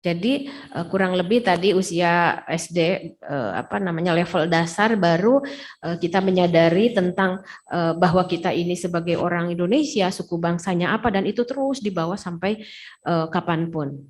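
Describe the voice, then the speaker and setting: A woman's voice: lowish voice, normal speed. A woman interpreting a lecture over a video call, rephrasing each passage with frequent hesitation fillers. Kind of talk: consecutive interpreting.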